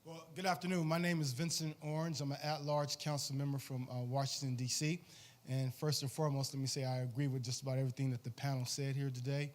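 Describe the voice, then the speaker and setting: A man with a mid-range pitch introduces himself formally at a conference floor microphone. His delivery is measured and polite. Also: level tone. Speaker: city council member asking a question.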